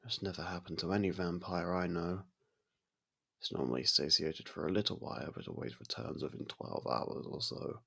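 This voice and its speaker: A man playing an aloof centuries-old vampire who grudgingly cares for a human, in an intimate ASMR roleplay, gravelly, husky and measured with a slightly haughty, halting delivery. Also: low voice, sharp tone, exaggerated voice. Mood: measured, explanatory.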